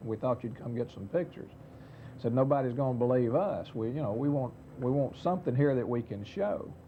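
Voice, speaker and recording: Speaking at a fairly quick pace, a man sounds somewhat breathy with a medium pitch. His tone is dark and mellow, and his pitch varies in an ordinary way. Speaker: newspaper publisher. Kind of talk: interview answer.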